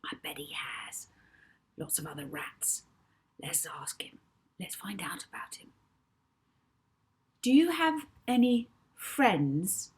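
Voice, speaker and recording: A woman doing a bossy, sharp-tongued girl. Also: mid-range voice, very animated, slow pace, voice pushed up.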